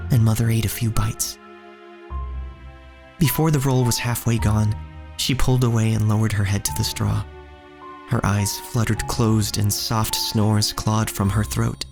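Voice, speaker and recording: A man playing a solemn narrator who tells of a poor street childhood in measured, scripted audio drama storytelling. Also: on the low side, creaky. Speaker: first-person narrator. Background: music.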